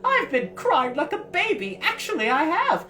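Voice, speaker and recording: A woman's voice: high-pitched, very animated, moderate pace, pushed and bright, far from the mic, faint music behind, pitched above the performer's own voice, heavily acted. A woman voicing a stout rich lady from a storybook, effusive, gushing and breathless. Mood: gushing, delighted.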